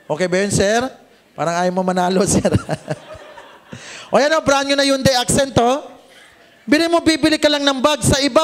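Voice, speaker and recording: A high-pitched man from the Philippines pitching a business plan to a seminar crowd. He jokes and teases the audience, often checking that they follow. His lively voice carries across a meeting room. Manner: joking, teasing the audience, asks "Tama?" often. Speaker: networking seminar presenter.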